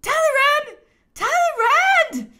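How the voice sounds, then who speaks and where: An imperious emperor jolted awake, a woman doing his voice, crying out in loud, abrupt bursts. The voice jumps high and rings bright and tense. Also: animated, takes it slowly, exaggerated voice. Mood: alarmed. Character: startled shouting male emperor, imperious.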